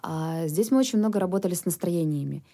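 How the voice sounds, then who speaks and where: A woman's voice: lowish voice, fast talker, mellow. A woman whose first language is Ukrainian, answering interview questions in an earnest, explanatory way. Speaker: government official, guest.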